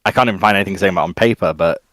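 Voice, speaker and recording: Low-voiced man chatting, close and dry. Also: racing, a bit bright, no room sound. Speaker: panelist on a live discussion. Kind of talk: casual unscripted discussion.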